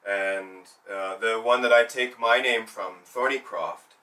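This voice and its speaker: A man's voice: lowish voice, steady tone, measured pace, bright, forceful tone, recorded from a distance. A man born in Zambia who works as a burlesque and cabaret performer, speaking reflectively in a documentary interview and often restarting his sentences as he searches for words.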